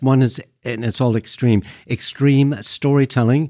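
A man speaks at a medium pitch with a dark, mellow tone and ordinary pitch variation, recorded very cleanly against a silent background. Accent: Canadian. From Canada. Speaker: festival founder and filmmaker. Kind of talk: casual interview chat. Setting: studio.

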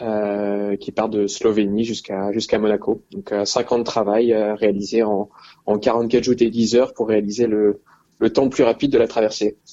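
This man speaks at a fairly low pitch with a monotone, flat delivery. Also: fairly slow pace. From Paris region, France. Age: 20s. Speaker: ultra-trail runner. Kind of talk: interview conversation. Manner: hesitant, frequent repetitions.

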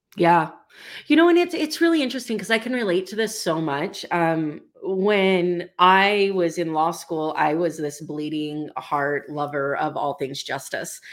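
A woman with an American accent speaks in a plain, everyday voice. Her pitch is fairly low with ordinary variation, and her pace is fairly slow. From US, southern Idaho. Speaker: podcast host, attorney and coach. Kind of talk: casual interview chat.

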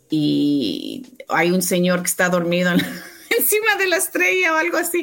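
Over noticeable background noise, a woman talks at a moderate pace with very even loudness. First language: English (speaking Spanish). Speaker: events producer. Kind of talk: interview. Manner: halting.

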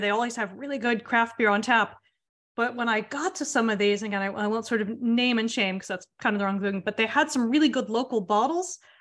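A woman with an unremarkable speaking voice, at a fairly quick pace with ordinary pitch variation, against a quiet background. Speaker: podcast host. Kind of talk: casual chat.

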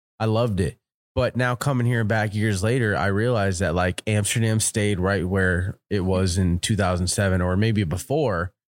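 A man with an American accent speaks in a normal speaking voice at a fairly low pitch and a moderate pace, his loudness very even. The recording is very clean with a silent background and a dry, close sound with no echo. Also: ordinary pitch variation. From East Coast of Florida, US. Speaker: podcast host, cannabis brand founder. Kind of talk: casual chat. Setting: Airbnb in Amsterdam.

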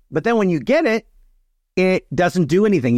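A man with a plain, everyday voice talks at a moderate pace with lively intonation, recorded dry and close with no echo against a quiet background. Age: 40s. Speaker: mind power speaker and mentalist. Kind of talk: interview.

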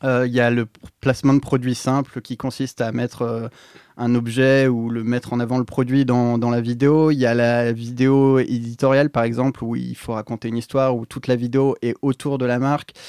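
A man speaks in a monotone at medium pitch and a moderate pace, his flat intonation captured with a dry, close sound and no echo. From France, Brittany. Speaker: YouTube video creator. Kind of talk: casual chat.

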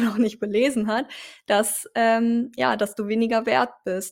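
The recording is very clean with a silent background, capturing a woman with a fairly high pitch. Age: 20s. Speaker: social media consultant with chronic illness. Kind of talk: casual interview.

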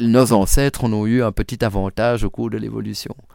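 With an ordinary speaking voice, a man at medium pitch talks at a moderate pace in fairly even intonation, the sound dry and close with no echo on a very clean recording with a silent background. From Belgium, Brussels (born in Milan). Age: 40s. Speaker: sommelier and wine educator. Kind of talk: interview.

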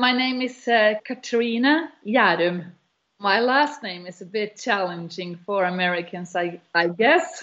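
In a Norwegian accent, a woman speaks fairly slowly at a medium pitch with lively intonation. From Norway. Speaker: entrepreneur. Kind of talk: interview. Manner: halting, many fillers.

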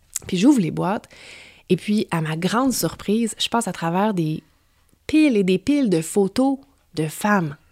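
With a Quebec accent, a woman's dark, mellow voice moves with lively intonation, recorded very cleanly against a silent background with a dry, close sound and no echo. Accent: Québécois French. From Quebec, Rosemère. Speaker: musicology professor. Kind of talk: casual chat.

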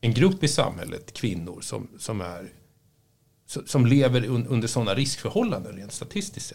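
A man with a medium pitch and a somewhat breathy voice speaks at a fairly slow pace. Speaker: defense lawyer. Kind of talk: casual chat.

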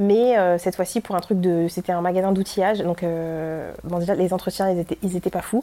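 At a moderate pace, a woman talks with fairly even intonation, a medium pitch and a dark, mellow tone. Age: 20s. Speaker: podcaster, web copywriter. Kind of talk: personal audio diary. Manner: halting, many fillers.

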